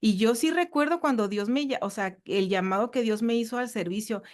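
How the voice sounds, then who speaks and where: A woman's voice: on the high side, fairly quick. A woman with a Mexican Spanish accent, from northern Mexico, giving an earnest personal testimony in a casual interview, often repeating herself and using fillers. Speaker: church guest.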